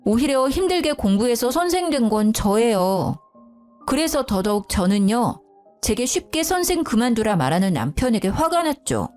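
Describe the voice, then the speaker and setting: A woman's voice: on the high side, very animated, moderate pace, a little mellow, faint music behind. A woman in her thirties telling a dramatized story of a marital fight, indignant and emphatic. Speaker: storyteller, schoolteacher wife.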